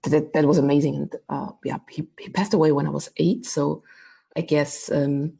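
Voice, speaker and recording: A woman's voice: low voice, level tone, moderate pace, gravelly, warm tone, husky. A woman of about forty from Austria, speaking as an upbeat, chatty interview guest at home. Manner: upbeat, laughs often, chatty. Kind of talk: casual interview chat. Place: her flat at home.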